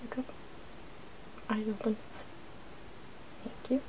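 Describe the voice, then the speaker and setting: A woman hosting a casual ASMR makeup demonstration, soft-spoken and often dropping into a whisper. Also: a little high, flat delivery, slow pace, rough recording. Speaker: ASMR video host. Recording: faint background noise.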